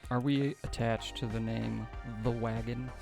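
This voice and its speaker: Mid-pitched male gamer with music behind. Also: little pitch movement, unhurried. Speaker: player in a tabletop game podcast. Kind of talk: casual chat. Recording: clear music under the voice. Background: background music.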